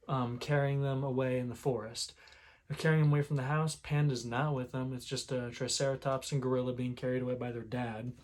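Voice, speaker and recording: A man retelling a manga chapter in casual commentary, rambling with many fillers and clearing a sore throat now and then. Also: medium pitch, darkish tone. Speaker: manga reviewer.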